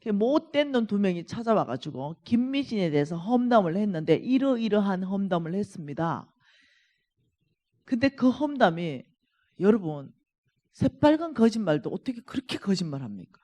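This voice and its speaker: Woman revival preacher, lively swooping delivery, emphatic scripture reading. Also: mid-range voice. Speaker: revival meeting speaker. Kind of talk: sermon. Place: church.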